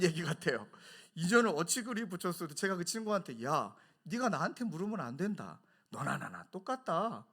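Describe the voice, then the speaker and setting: A male pastor preaching a sermon, telling a story with animated delivery and acted-out quotes. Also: on the high side. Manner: animated storytelling, acts out friends' quotes with laughter.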